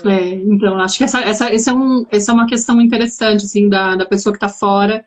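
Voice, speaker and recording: A woman's voice: mid-range voice, steady tone, fast. A woman from Brazil with a São Paulo accent, chatting reflectively in a casual live-stream conversation. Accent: Brazilian Portuguese, São Paulo. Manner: reflective, chatty, many restarts. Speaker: guest.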